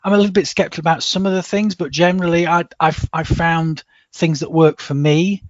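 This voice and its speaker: Hesitant man, slightly high voice. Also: steady tone, brisk, no room sound, dull audio. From England. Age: middle-aged. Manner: hesitant, repeats words, self-deprecating laughs. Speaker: guest. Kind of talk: casual podcast interview.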